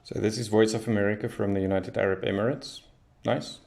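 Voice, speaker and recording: Low, gravelly man reviewing gadgets. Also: fairly even intonation, a little fast, a little mellow, slight background noise. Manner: unscripted, thinking aloud while testing. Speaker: radio hobbyist reviewer. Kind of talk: casual hands-on gadget commentary.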